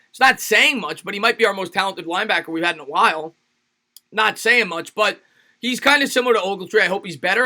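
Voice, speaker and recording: Bright high-voiced raspy man streaming. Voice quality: slightly raspy. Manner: energetic, hypes up fans. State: tired. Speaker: sports YouTube host reading super chats. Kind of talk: casual livestream chat.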